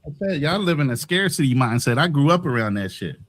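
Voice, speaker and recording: A teasing man from Maryland hosts a casual online panel. His voice sits fairly high and swoops around with a lively pitch as he jokes with his guests. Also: fast. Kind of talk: casual group chat.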